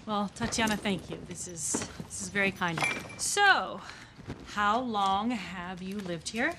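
A woman's voice: mid-range voice, unhurried, very noisy, lightly acted. An actress playing a prim, by-the-book female federal agent, formal and awkwardly polite, in a comedy film. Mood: awkward, patient. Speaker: FBI special agent.

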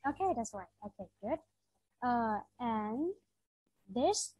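A woman's voice: a little high, very animated, takes it slowly, a little mellow, slightly rough, no room sound, rough recording. A woman with a Vietnamese accent tutoring English pronunciation online, patiently modeling words and repeating them for her student.

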